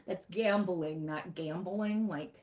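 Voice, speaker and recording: A woman's voice: lowish voice, slow pace, darkish tone, echoey room. A woman with a Michigan accent reading her own snarky book recap aloud on a livestream, wry and sarcastic, with laughs at her own jokes.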